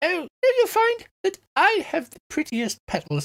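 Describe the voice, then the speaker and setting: A put-on character voice, squeaky and extremely high in pitch, comes at a fairly slow pace. Its pitch swings very widely. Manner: vain, coy.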